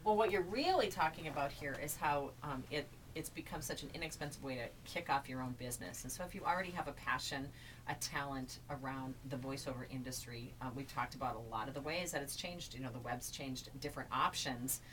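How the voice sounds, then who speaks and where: A woman's voice: very deep voice, brisk, a little hiss or hum. A woman hosting an interview, affirming her guest and steering the chat with questions. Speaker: interview host. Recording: distant mic with faint ambience.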